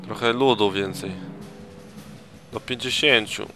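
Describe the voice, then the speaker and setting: Tired male gamer, slow drawl, crude and profane, mock war cries, faint music underneath. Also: mid-range voice, sharp tone. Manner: crude, heavy swearing, mock battle cries. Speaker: let's play gamer. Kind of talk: casual gaming commentary.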